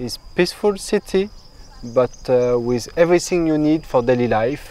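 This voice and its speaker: Here a man talks at a fairly slow pace. His voice is fairly high, with lively intonation. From France, Lyon. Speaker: tour company owner. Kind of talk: interview. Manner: halting.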